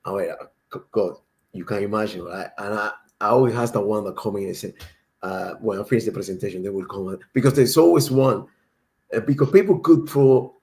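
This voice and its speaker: A man's voice: fairly low pitch, fairly quick, a little mellow. A man from Cuba with a Cuban Spanish accent, a native Spanish speaker, telling a story in casual chat with a lot of laughter.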